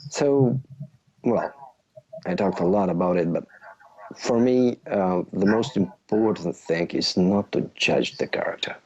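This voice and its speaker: A middle-aged man speaks slowly and haltingly in a fairly low voice, often restarting as he searches for words. His voice comes through a muffled remote call with a faint hiss underneath. He sounds like a guest answering interview questions. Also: warm tone. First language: Albanian.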